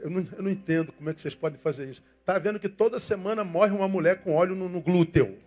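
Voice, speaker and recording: An older man with a Brazilian Portuguese accent, preaching a sermon with passion, swinging from loud emphasis to soft asides. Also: high voice, fast. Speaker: pastor.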